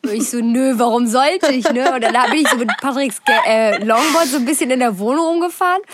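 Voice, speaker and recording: A woman's voice: high-pitched, fast, no room sound, clean studio sound. A young woman from the Bonn area chatting casually with her sister, telling stories animatedly and acting out the voices of people she quotes. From Bonn area, Germany.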